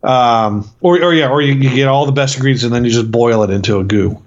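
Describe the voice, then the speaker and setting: A man's voice: medium pitch, quick pace. A man co-hosting a movie review podcast, talking in a rambling, profane way with many restarts. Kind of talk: casual chat. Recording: dull lo-fi sound.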